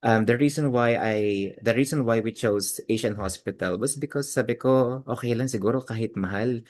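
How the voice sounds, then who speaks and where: A man's voice: mid-range voice, moderate pace, a little mellow. A man, a guest in an interview. He talks politely and deferentially, switching between two languages. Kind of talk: personal interview.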